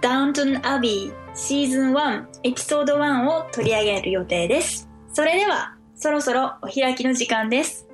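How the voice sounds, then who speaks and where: A woman with a Japanese accent co-hosts a podcast, answering English vocabulary questions hesitantly. Her voice is high, and she often gives soft agreeing murmurs. Faint music plays behind her. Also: racing, few pauses. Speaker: co-host answering quiz questions.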